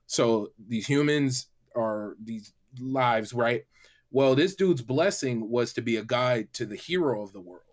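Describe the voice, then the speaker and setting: A man on a gaming livestream panel giving recommendations in casual, slangy talk, halting and doubling back on himself. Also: medium pitch.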